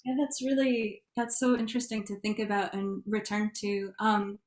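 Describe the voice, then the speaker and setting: A woman's voice: medium pitch, level tone, moderate pace, a little mellow. A woman speaking as a writer on a discussion panel, in a reflective, exploratory way. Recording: echoey room sound.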